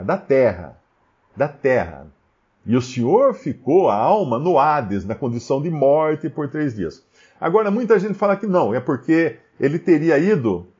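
A man's voice: mid-range voice, mellow. A man with a Brazilian Portuguese accent giving a Bible study commentary, firing rhetorical questions and often restarting his sentences. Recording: slightly dull lo-fi recording.

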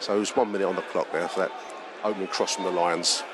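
A man's voice: deep voice, fairly even intonation, fast talker. A man, nasal from a cold, giving rambling, sardonic fan commentary on a match. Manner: rambling, sardonic, frequent ums. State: nasal with a cold and sore throat. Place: outside a football stadium. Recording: noisy outdoor stadium recording. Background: stadium and street noise.

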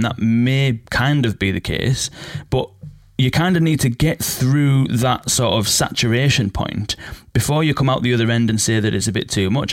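A man hosting a solo podcast, talking through ideas in a casual, thinking-aloud way, his voice croaky from a cold. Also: lowish voice, no echo, studio quality. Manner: conversational, thinking aloud with fillers and restarts. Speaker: podcast host.

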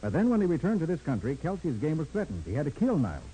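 An American actor playing a brisk, self-assured private detective in a 1940s radio crime drama. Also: male voice, on the high side, huge pitch swings, dark tone, poor audio. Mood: explaining. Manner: brisk, explanatory. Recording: hissy 1940s radio recording.

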